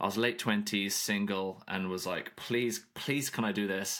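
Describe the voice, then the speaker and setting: A man speaks at a moderate pace in a flat monotone with a bright, sharp tone. The recording is very clean, with a silent background. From UK. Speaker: business buyer and accountant. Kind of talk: interview.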